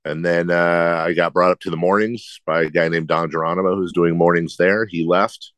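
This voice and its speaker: Nasal, droning low-voiced man with a lisp. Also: steady tone, moderate pace, a bit bright, dry recording. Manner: rambling, self-deprecating, many fillers. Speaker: sports radio host. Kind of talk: interview answers.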